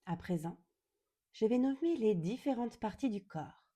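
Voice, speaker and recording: Slow, very mellow woman guiding meditation. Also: fairly high pitch, husky. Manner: calm, gentle, soothing, deliberate with long pauses. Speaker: yoga nidra guide.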